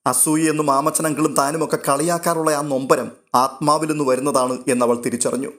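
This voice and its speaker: A man narrating a novel aloud in a steady, literary storytelling manner. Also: a little high, fairly quick.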